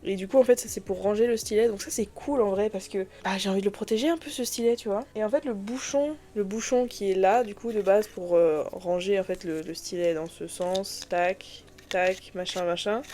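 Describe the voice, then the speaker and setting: A woman's voice: medium pitch, brisk, hardly any pauses, mellow. Gushing, slangy young woman chatting casually. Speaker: digital artist reviewing a drawing tablet. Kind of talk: casual vlog chat to viewers.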